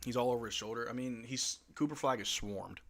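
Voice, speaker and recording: A man hosting a live watch-along stream, giving play-by-play commentary and joking reactions as an excitable fan talking to his chat. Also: mid-range voice, fairly quick, vocal fry, slight background noise. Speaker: livestream host.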